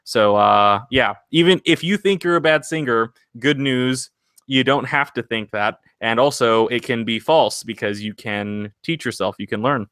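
A man's voice: mid-range voice, moderate pace, a bit bright, clean tone, no room sound, studio quality. A man hosting a singing podcast, talking casually and earnestly, rambling into motivational encouragement. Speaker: singing podcast host and vocal coach.

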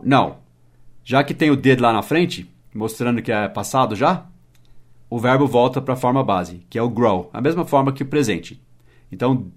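A man's voice: mid-range voice, a little mellow. A man hosting a casual English lesson podcast, explaining patiently and spelling words out letter by letter. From United States and Brazil. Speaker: English teacher and podcast host.

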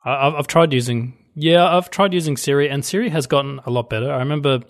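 Fast-talking Australian man. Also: mid-range voice. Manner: quick, chatty, repeats words. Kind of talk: casual tech chat.

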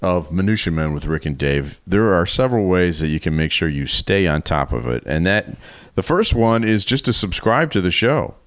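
A man's voice: deep voice, sing-song, moderate pace, no echo, studio quality. A man co-hosting a podcast in casual chat, teasing and self-deprecating. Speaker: podcast co-host.

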